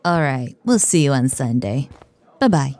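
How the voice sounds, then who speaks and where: Woman as a low, mellow clinic receptionist. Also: very animated, moderate pace, slight background noise, exaggerated voice. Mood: businesslike. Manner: polite, businesslike. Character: businesslike, welcoming female medical receptionist. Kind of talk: audio drama acting.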